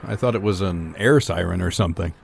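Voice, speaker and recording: A man's voice: deep voice, fairly quick, vocal fry, a little hiss or hum. An actor playing a wry, protective male researcher in a golden-age style radio drama.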